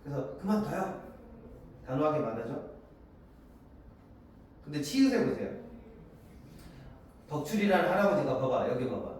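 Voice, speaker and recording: A man's voice: medium pitch, very animated, a little mellow. A man in his forties teaches a literature class from the front of a big classroom, his voice rising and falling a lot as he talks. He keeps asking students to agree and acts out bits of dialogue. The sound is very echoey and distant, with a faint hiss underneath. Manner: acts out the lines of characters and students in quick voices. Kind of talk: classroom lecture.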